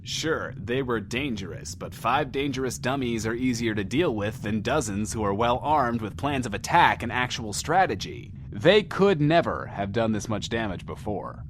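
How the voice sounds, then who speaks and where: An actor playing a sardonic, theatrical radio host with mad-inventor flair, rambling wryly in an audio drama. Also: male voice, medium pitch, big pitch swings, moderate pace, a little hiss or hum, close to an everyday voice.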